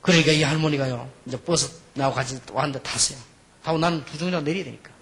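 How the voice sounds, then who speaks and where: A middle-aged man preaching a sermon, telling stories and swinging between quiet asides and emphatic outbursts. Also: fairly high pitch, quick pace, slightly rough. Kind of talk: sermon with anecdotes.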